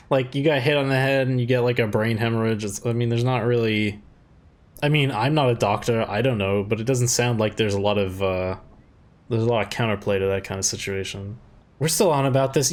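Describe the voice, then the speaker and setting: A man doing casual let's-play commentary, joking and thinking aloud in a rambling way. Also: mid-range voice. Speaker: gaming video host. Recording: game music behind the voice. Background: video game music.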